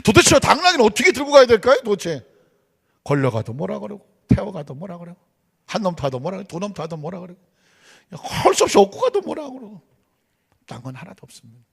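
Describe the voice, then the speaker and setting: A male pastor preaching to a congregation in a church, telling a folk story with lively swings between loud exclamations and hushed asides. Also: sits high, fast talker, creaky, husky. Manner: animated, swings between shouting and hushed asides, acts out villagers. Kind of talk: sermon with folksy storytelling. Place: church sanctuary. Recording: church hall with long reverb.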